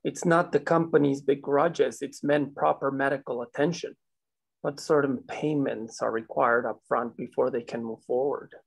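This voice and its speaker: A coal company enforcer leans on a woman with smooth, condescending menace, as a man reads the part at a table read. His voice sits at an ordinary middle pitch. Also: fairly even intonation, moderate pace. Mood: cold.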